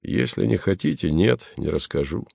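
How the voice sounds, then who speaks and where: A man's voice: deep voice, lively intonation, normal speed, creaky, mellow, slightly rough, no room sound, exaggerated voice. A man reading the part of a patient, matter-of-fact base commander with a dry irony, in an audiobook.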